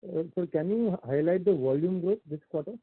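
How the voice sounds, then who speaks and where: A man's voice: high-pitched, breathy edge, no echo. Muffled man on phone line. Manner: polite, halting, many fillers. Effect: muffled voice, as if through a wall. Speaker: analyst caller on an earnings call. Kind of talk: conference call questions.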